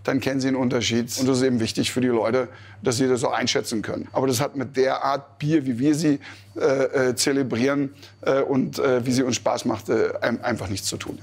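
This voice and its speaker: A man's voice: mid-range voice, steady tone, a little fast. A man in his fifties answering interview questions thoughtfully, with many hesitations, in a barrel cellar. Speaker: traditional brewer.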